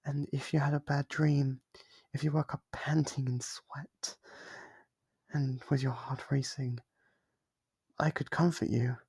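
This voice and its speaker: A man playing a lonely, devoted and obsessive demon in an intimate ASMR roleplay, coaxing and tender with hesitant pauses. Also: mid-range voice, little pitch movement, darkish tone, breathy edge, no room sound. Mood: yearning, coaxing.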